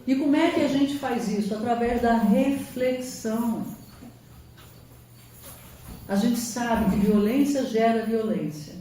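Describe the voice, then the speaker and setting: A woman's voice: a little high, slow, pauses often, mellow, slight background noise. A woman giving an emphatic spiritual lecture, sometimes acting out quoted voices. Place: lecture hall. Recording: roomy hall from far off, faint ambience.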